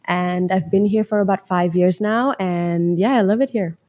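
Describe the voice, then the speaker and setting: A woman's voice: fairly low pitch, normal speed, a little mellow. A woman in her twenties who grew up in Indonesia, a bubbly podcast guest who laughs easily and thinks aloud. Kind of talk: casual interview chat.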